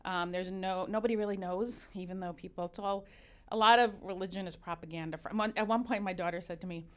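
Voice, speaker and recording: A woman's voice: medium pitch, fast, smooth. A woman in her fifties, a religious educator and consultant, telling candid stories in a casual interview, with many restarts; her first language is Arabic. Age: 50s. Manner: candid, animated storyteller with frequent restarts.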